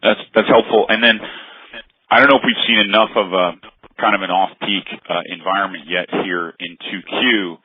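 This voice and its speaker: Really deep guy on a phone line, analyst asking earnings questions, kinda tentative wording, not scripted. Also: fairly even intonation, moderate pace, slightly rough, no echo. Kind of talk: unscripted earnings call questioning. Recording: narrow dry phone line.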